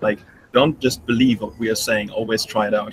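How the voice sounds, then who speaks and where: A man speaks with a non-native accent at medium pitch. He talks at a fairly quick pace. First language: not English. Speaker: software developer mentor. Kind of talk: pair-programming tutorial. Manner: halting.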